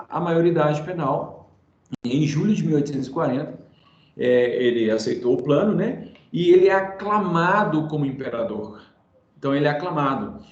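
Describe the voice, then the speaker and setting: A Brazilian man teaching history informally in an online class, telling it like a story in an animated, colloquial way and repeating points for his students. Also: on the high side. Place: indoor room, online class. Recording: roomy, dull sound of an online class.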